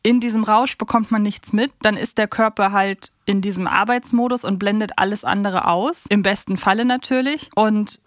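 A woman's voice: medium pitch, steady tone, normal speed, hardly any pauses, no room sound. Woman in her thirties, close dry sound. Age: 30s. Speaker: podcast co-host. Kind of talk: casual chat. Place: podcast studio.

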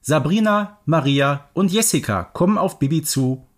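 A man narrates a scripted story for children. His voice is fairly high for a man and moves widely up and down, giving the storytelling a very animated shape. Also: moderate pace.

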